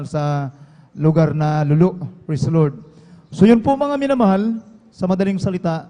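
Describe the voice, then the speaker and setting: Man from Palawan, high voice, fervent church testimony in a reverberant hall. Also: dark tone. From Palawan, Philippines. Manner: fervent, keeps saying "praise the Lord" and "beloved". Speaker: church member giving testimony.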